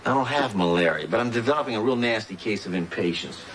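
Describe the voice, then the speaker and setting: A man's voice: lowish voice, animated, quick pace, fairly bright tone, a little hiss or hum, poor audio. An American man playing a wry, impatient police detective in a TV crime drama, with dry sarcasm.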